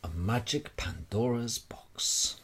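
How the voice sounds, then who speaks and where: A man delivering a rambling monologue straight to the listener in a wry, theatrical manner with deliberate dramatic pauses. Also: fairly low pitch, expressive, fairly bright tone, breathy edge. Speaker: speaker sharing personal views.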